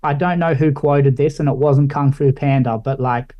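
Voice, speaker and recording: A man's voice: medium pitch, normal speed, dull audio. A man in his late twenties with an Australian accent, a guest on a podcast, chatting casually and rambling a little with lots of "like" and "I guess". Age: late 20s. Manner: relaxed, rambling, many fillers like "like" and "I guess". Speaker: guest, finance analyst.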